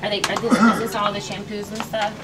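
A woman's voice: mid-range voice, flat delivery, fast, loud music behind the voice. A young woman vlogging a trip through a grocery store, chatting politely and trailing off as she explains what she wants. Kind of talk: casual vlog narration and chat. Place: busy grocery store indoors. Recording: loud background noise.

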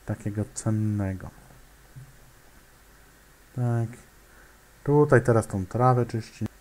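His voice is fairly low with a darkish tone, and he takes his time while commenting casually on a game. He mumbles to himself, stalls with fillers and false starts, and clicks away as he plays.

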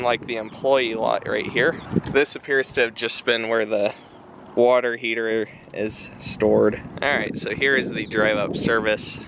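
A young man talks through an outdoor exploration in a relaxed, wondering way, often guessing at what things used to be. His voice sits at an ordinary pitch for a man. Cars and street noise carry clearly behind him, caught on a handheld camera mic. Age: young adult. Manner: relaxed, thinking aloud with guesses. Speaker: exploration vlogger. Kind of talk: casual walkthrough narration. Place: outdoors around an empty building. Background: passing cars and street ambience.

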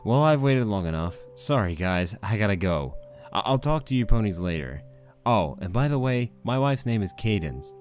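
A man's voice: fairly low pitch, big pitch swings, normal speed, soft background music. A man playing a young married stallion pony husband, rambling wryly and sheepishly through a fan fiction monologue. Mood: sheepish, fond. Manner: conversational, rambling, wry.

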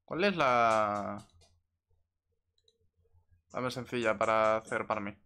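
A man's voice: lowish voice, slow pace, pushed and bright, clean tone. Casual young man streaming a game. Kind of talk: casual gameplay livestream chat.

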